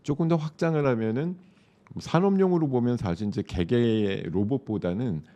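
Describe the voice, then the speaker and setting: A man's voice: medium pitch, normal speed, mellow. A man with a sore throat, a stock market commentator explaining trends in loose, conversational live-show chat with many fillers.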